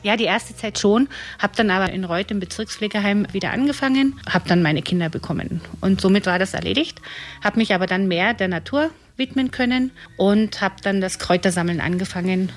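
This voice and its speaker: A middle-aged woman from eastern Germany, an herbalist and park ranger, telling her stories in a lively way. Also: medium pitch, fairly quick. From Saxony-Brandenburg border, eastern Germany.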